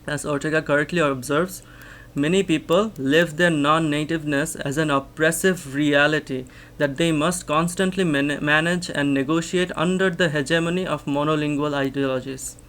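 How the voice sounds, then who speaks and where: A man's voice: on the high side, fairly even intonation, normal speed, a bit bright, a little hiss or hum. A young Bangladeshi man with a Bangladeshi accent, a native Bangla speaker, reading a research paper aloud and explaining it line by line, thinking aloud with frequent restarts and rhetorical "right?"s. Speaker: English teacher and channel host.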